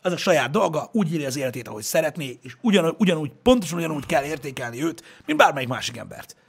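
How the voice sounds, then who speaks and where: Gravelly, ranting man, voice leaping high. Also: sing-song. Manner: blunt and profane, heated ranting. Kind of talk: casual chat.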